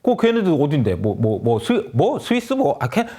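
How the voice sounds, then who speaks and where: A man's voice: a little high, huge pitch swings, moderate pace, warm tone. A man acting out a personified superpower who blusters and then begs for help in a casual, informal voice. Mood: indignant. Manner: brash bully turning to whiny begging.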